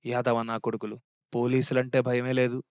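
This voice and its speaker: A man voicing a pompous, easily flustered middle-aged village policeman who mutters lowly and puts on sternness. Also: monotone, normal speed, smooth, dry recording, studio quality, close to an everyday voice. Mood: muttering.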